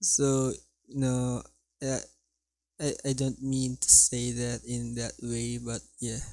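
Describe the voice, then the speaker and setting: Medium-pitched man with a non-native accent, dark and mellow in tone, very slow, with fairly even intonation and long, frequent pauses. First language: not English. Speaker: drawing streamer. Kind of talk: casual livestream commentary while drawing. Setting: livestream. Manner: halting.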